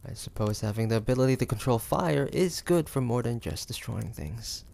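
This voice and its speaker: A man playing a proud, wary, sardonic hunter from the 1850s in an intimate audio drama, halting and full of breathy sighs. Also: medium pitch, a little mellow, natural voice. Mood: grudging, puzzled. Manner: halting, breathy sighs, indignant then grudging.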